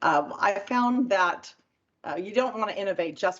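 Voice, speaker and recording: A woman with a Texan accent, moderate in pace, with ordinary pitch variation. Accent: American (Texan), noticeable in London. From Texas, US (military family, moved often). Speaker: business executive, keynote speaker. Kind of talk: keynote speech.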